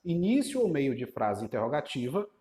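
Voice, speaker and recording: A man's voice: mid-range voice, big pitch swings, normal speed, warm tone, roomy sound. A man with a Brazilian Portuguese accent teaching a grammar lesson, emphatic and asking rhetorical questions as he reads out example sentences.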